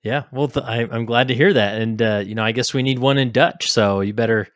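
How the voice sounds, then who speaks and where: A man's voice: medium pitch, fairly quick, no echo, clean studio sound. A man hosting a podcast interview in a casual, upbeat way, with loose fillers like "you know.".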